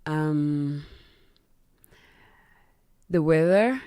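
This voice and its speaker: Low, smooth-voiced young Rwandan woman. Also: animated, extremely slow, dark tone, dry recording. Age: young adult. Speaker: musician guest. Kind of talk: radio interview, casual chat. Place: radio studio. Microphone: close studio boom mic.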